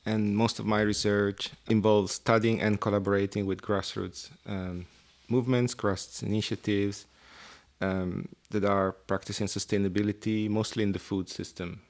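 A man, an academic guest introducing his research in measured speech. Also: on the low side, level tone. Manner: measured, some fillers.

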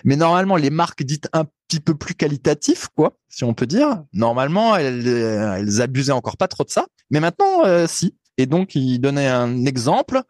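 A man's voice: medium pitch, big pitch swings, fairly quick, few pauses, no room sound, studio quality. A man co-hosting a casual podcast, explaining things at length in a chatty way and laughing easily. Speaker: podcast co-host. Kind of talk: casual chat.

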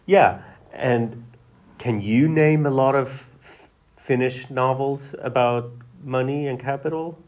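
A male novelist, a guest in a conversational interview, explaining his ideas at length in a measured way. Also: mid-range voice, a little mellow.

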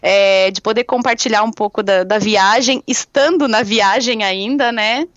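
A woman's voice: mid-range voice, a little slow, no echo. Cheerful woman on a dull, dry line. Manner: cheerful, laughs often, tells news excitedly. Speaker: guest, touring cyclist. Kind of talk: casual podcast chat.

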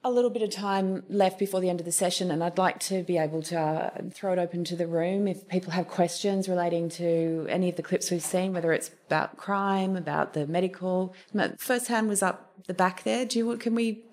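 A woman moderating a panel discussion, leading with measured questions. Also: fairly low pitch, steady tone, a little mellow.

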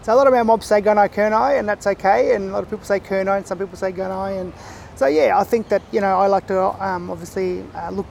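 Man, Aboriginal Australian accent, high voice, narrow intonation, casual explanatory interview style, pauses mid-thought, some outdoor noise behind. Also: fairly even intonation, gravelly, a little mellow. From Far East Gippsland, Victoria, Australia. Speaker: interview guest. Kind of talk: reflective casual interview talk.

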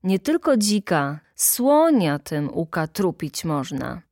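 A woman's voice: fairly low pitch, big pitch swings, takes it slowly, darkish tone, no echo, studio quality, exaggerated voice. A woman reading a story aloud and voicing a boastful, tipsy male local official who talks in a bluff, showy, persuasive way.

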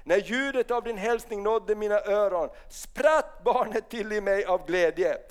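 Man, high pitch, smooth resonant voice, charismatic sermon, fervent preaching. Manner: rises to fervent shouting of hallelujahs. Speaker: pastor.

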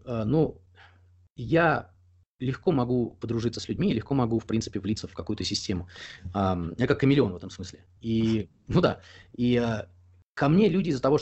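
A young man being interviewed, talking at length in an opinionated way, often pausing on fillers. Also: mid-range voice, darkish tone, dull audio. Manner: talkative, opinionated, explains at length with frequent fillers. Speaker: interview guest. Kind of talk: casual conversational interview.

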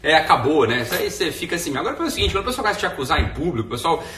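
A quick, bright-voiced man with a Brazilian Portuguese accent rambles casually through a live stream from home. He speaks a little above the usual male pitch and sits back from the mic in an echoey room. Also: very animated, distant mic, a little hiss or hum. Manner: rambling, slangy, tags sentences with "né".

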